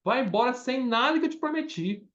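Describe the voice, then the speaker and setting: Man doing an angry scolding king, raised pitch, dull lo-fi sound. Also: lively intonation, brisk, fairly bright tone. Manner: indignant, mocking.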